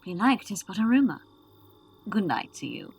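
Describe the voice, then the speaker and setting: A woman's voice: mid-range voice, sing-song, normal speed, creaky, darkish tone, slightly rough, full character voice. A woman acting an uneasy, alert soldier on night watch in a Shakespearean audio drama. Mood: wary.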